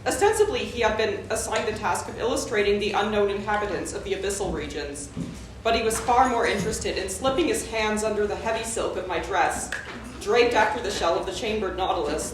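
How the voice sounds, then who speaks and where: A woman giving a measured, lyrical reading of surreal fiction to a live audience at an art gallery. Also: mid-range voice, slight background noise. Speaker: reader at a live art event. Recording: very echoey live gallery recording.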